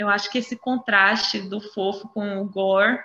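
A woman's unremarkable speaking voice, at a fairly slow pace with fairly even intonation. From Bahia, Brazil. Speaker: singer-songwriter. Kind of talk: interview.

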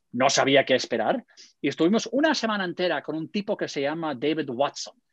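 A man speaks in an unremarkable speaking voice with a fairly high pitch and lively intonation. The sound is dry and close, with no echo. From Spain, then Germany from age 8 to 25. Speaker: missionary and church planter. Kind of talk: interview about faith and discipleship.

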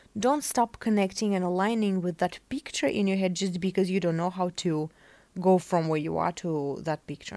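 A woman's dark, mellow voice with a Russian accent and ordinary pitch variation, dry and close with no echo, on a very clean recording with a silent background. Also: medium pitch for a woman, moderate pace. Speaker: podcast host and channeler. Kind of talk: casual solo podcast monologue. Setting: home recording, evening.

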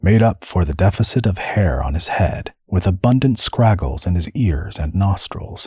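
The intonation is lively as an unforced reading voice goes through the text.

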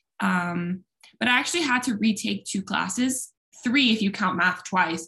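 At a moderate pace, a woman speaks in a medium-pitched voice with ordinary pitch variation. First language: Spanish. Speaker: entrepreneur and former law student. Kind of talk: casual interview conversation.

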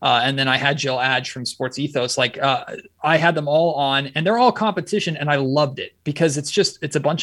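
A normal speaking voice with an American accent at a fairly quick pace, very clean recording with a silent background. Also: man. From Sacramento, California, US. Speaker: sports podcast host and TV reporter. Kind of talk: casual chat.

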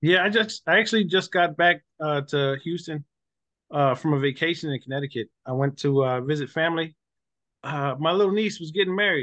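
A man with an unremarkable speaking voice, fairly high in pitch, with ordinary pitch variation and a fairly quick pace. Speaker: returning podcast guest. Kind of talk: casual chat.

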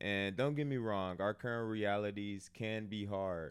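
Here is a man with an American accent and a plain, everyday voice, pitched fairly low with ordinary variation. He keeps a moderate pace on a very clean recording with a silent background. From Milwaukee, US Midwest. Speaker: podcast co-host. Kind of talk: casual chat.

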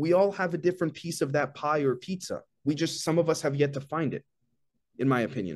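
A man with a Canadian accent and a plain, everyday voice talks at a fairly quick pace, his pitch fairly high, against a quiet background. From Canada. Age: 20s. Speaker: podcast guest and consultant. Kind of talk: interview.

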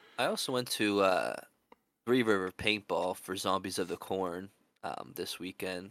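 With an American accent, this voice shows vocal fry and ordinary pitch variation at a moderate pace, on a very clean recording with a silent background. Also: man, very deep, low pitch for a man. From New Jersey. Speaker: guest co-host, movie reviewer. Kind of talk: casual chat.

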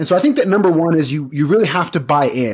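A man with an American accent speaks at a fairly quick pace and fairly high pitch. He has a normal speaking voice. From Utah. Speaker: real estate agent and content marketer. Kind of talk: casual interview. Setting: call.

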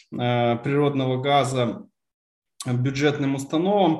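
Very slow speech with ordinary pitch variation. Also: man. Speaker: energy business representative. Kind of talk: panel discussion. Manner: halting.

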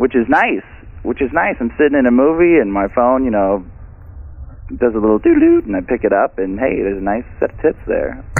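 Background noise can clearly be noticed. A man talks at a fairly quick pace. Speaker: author, search industry guest. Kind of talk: casual chat.

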